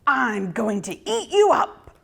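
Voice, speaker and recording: A woman's voice: a little high, big pitch swings, slow pace, creaky, fairly bright tone, breathy edge, exaggerated voice. Woman voicing a hungry, demanding storybook wolf. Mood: menacing. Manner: demanding, blunt. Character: hungry, impatient, menacing male storybook wolf. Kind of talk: children's storybook character voice.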